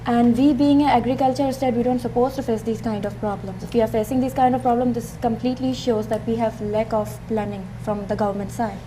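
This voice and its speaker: A woman's voice: on the high side, fairly even intonation, brisk, few pauses, mellow. Young woman, earnest panelist. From Pakistan. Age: young adult. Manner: earnest, leans on fillers like "like" and "stuff". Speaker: student panelist. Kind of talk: panel discussion. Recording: noisy room recording.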